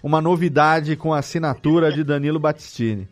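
A man's voice: fairly high pitch, a little fast, soft background music. A man with a Brazilian Portuguese accent hosting a live podcast in a casual, conversational style. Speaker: podcast host.

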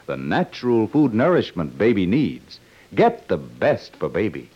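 A man announces a scripted radio advertisement in a fairly low voice with extremely animated intonation. The recording is dull and clearly from 1950s radio. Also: unhurried.

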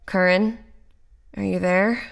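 A woman's voice: mid-range voice, fairly even intonation, slow, vocal fry, dry recording, studio quality. A woman acting in an audio drama as an exasperated, protective young woman who also narrates in the first person. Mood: uneasy, hushed narration. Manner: exasperated, sighing. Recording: engine and outdoor ambience noise.

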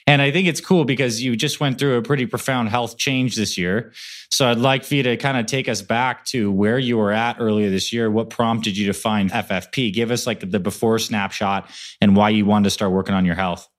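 A man's voice: lowish voice, fairly even intonation, moderate pace. A man hosting a podcast interview, speaking in an upbeat, encouraging way. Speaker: podcast host. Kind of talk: interview with introduction.

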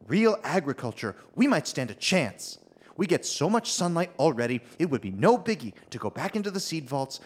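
Man doing a nervous earnest inventor, stammering, lively pitch. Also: a little hiss or hum. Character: kind, flustered young male inventor.

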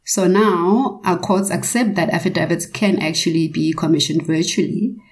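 A woman's voice: on the low side, moderate pace. A woman speaking formally and carefully, explaining points in a prepared legal panel discussion.

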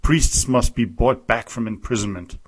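A man's voice: mid-range voice, normal speed, rough recording. A man narrating a history podcast from a script, reading out quotes from letters and memoirs with a slightly raised voice.

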